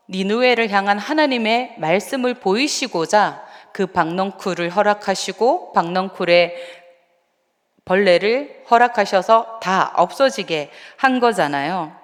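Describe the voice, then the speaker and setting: Woman preaching in a reverberant church. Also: mid-range voice. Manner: conversational, animated, asks the congregation questions. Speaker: evangelist. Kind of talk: sermon. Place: church sanctuary. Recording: long church hall reverb.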